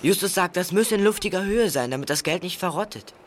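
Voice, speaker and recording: Casting: clever teen boy sleuth for radio drama, highish voice, rapid delivery, noisy background. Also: lively intonation. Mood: eager, urgent. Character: eager, clever teenage boy detective. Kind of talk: German radio play acting. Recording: noisy radio play with vehicle ambience.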